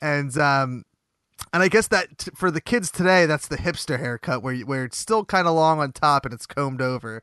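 With a Philadelphia accent, a man speaks at a moderate pace in a fairly high voice with lively intonation and a bright, sharp tone, the sound dry and close with no echo. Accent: Philadelphia-area American. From Pennsylvania (Philadelphia area). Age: 30s. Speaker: podcast host. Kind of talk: casual chat. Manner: halting.

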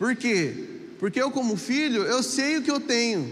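Over noticeable background noise and audible room echo, a man talks at an extremely high pitch and a fairly slow pace, with lively intonation. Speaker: pastor. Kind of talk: sermon.

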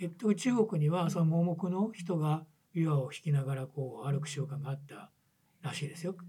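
At a moderate pace, a man speaks in a dark, mellow tone, his fairly high pitch showing ordinary variation. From Kumamoto, Japan. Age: 60s. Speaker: satsuma biwa musician. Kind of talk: interview.

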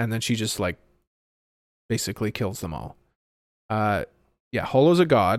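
A man with a medium pitch speaks with lively intonation and long, frequent pauses on a very clean recording with a silent background. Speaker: anime podcast co-host. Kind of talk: casual chat. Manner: slow; pauses while thinking.

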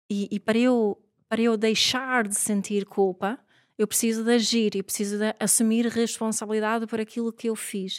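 A woman talks at a moderate pace with a fairly high pitch. The recording is very clean and silent behind her, with a dry, close sound and no echo. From Sweden. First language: Swedish (speaking Portuguese). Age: 40s. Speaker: parenting author and educator. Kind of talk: casual interview chat.

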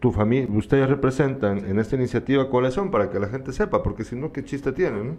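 The man's dark, mellow tone carries lively intonation. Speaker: talk show host. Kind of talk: panel discussion.

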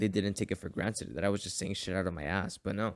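The recording is very clean with a silent background, carrying a plain, everyday voice and ordinary pitch variation. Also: man. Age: 20s. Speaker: podcast host. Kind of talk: solo monologue. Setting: home studio with headphones. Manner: casual, rambling with stumbles.

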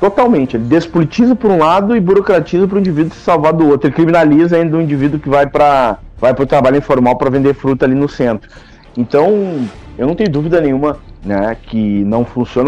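A man speaks at a fairly high pitch with very wide pitch swings. Noticeable background noise runs underneath. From southern Brazil, Porto Alegre. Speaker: state deputy and mayoral candidate. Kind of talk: interview. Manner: casual, conversational.

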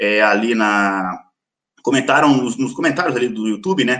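A man talks at a fairly quick pace with lively intonation. He has a Minas Gerais accent. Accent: Mineiro Brazilian Portuguese. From Minas Gerais, Brazil. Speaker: market analyst. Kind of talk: market commentary livestream. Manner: filler-heavy, frequent 'né'.

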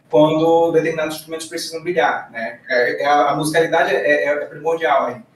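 Against noticeable background noise, a man with a fairly high pitch talks at a moderate pace, hardly pausing, in a monotone, flat intonation. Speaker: musician in a progressive metal band. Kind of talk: casual interview chat.

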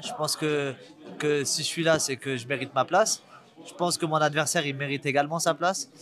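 This man's voice sits fairly high and moves at a moderate pace with ordinary pitch variation. Noticeable background noise runs underneath. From southern France, Montpellier. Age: 20s. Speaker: MMA fighter. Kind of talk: interview. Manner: halting.

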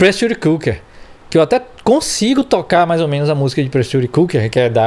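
Against noticeable background noise, a man speaks at a fairly quick pace with lively intonation. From Brazil. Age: 40s. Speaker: podcast host. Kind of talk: solo casual podcast monologue.

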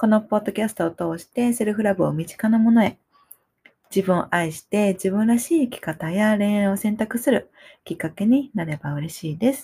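A woman's somewhat breathy medium-pitched voice, dark and mellow, with ordinary pitch variation at a moderate pace. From Japan, Kyoto. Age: 20s. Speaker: self-love coach. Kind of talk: solo podcast monologue.

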